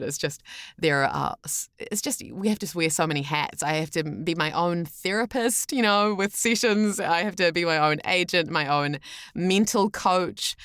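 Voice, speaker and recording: A young woman with a New Zealand accent chats on a podcast in a lowish voice. She is open and expressive, often rewording mid-sentence. The sound is very dry, with no room to it. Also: smooth, no echo. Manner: candid, expressive, wordy with self-corrections. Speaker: guest, voice actor. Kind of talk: casual podcast conversation.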